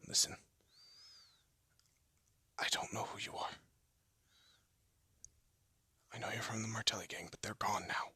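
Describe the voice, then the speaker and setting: A man voicing a hardened ex-gangster husband in an audio roleplay, talking in a low threatening whisper. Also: fairly even intonation, normal speed, pushed and bright, breathy edge, dry recording, exaggerated voice. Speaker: voice actor.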